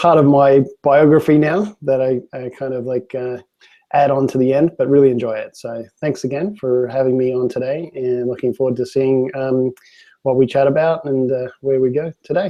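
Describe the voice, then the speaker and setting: Speaking at a moderate pace, a man with an Australian accent uses a medium pitch and fairly even intonation. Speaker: tech company CEO. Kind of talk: live webinar conversation.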